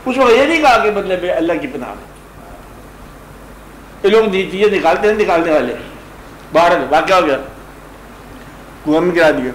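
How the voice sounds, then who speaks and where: A man's voice: high voice, sing-song, long pauses, slight background noise. Man giving an echoey spiritual talk. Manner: keeps checking if listeners have understood. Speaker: spiritual teacher addressing a gathering. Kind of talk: religious discourse, conversational storytelling. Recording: echoey room with faint ambience.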